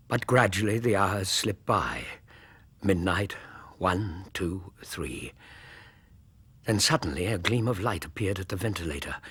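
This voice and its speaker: Male narrator, deep and husky, grave measured delivery, dry sound. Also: fairly bright tone, no room sound. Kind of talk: scripted storytelling narration.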